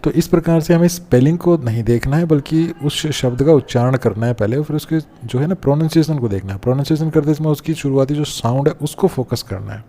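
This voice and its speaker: A man teaching an English grammar lesson step by step, often pausing to check that students follow. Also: a little high, mellow. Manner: explains step by step, often checks with "theek hai na". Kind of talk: classroom-style grammar lesson.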